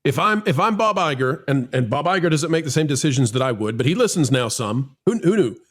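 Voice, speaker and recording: A man with a somewhat high voice talks rapidly in a casual panel setting. He states his takes emphatically and declaratively, as if laying out exactly what he would do. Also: lively intonation, a bit bright. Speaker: talk show panelist.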